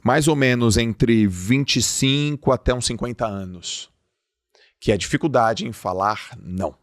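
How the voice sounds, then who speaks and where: A man's voice: mid-range voice, a little slow, no echo, studio quality. A man with a Brazilian Portuguese accent giving an emphatic motivational talk as a podcast host. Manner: emphatic, acts out quoted dialogue. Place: podcast studio.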